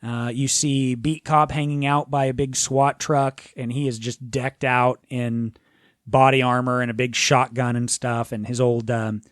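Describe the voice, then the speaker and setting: A man's voice: mid-range voice, no room sound. Casual male game master, dry recording. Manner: informal, swearing. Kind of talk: casual improvised tabletop game narration.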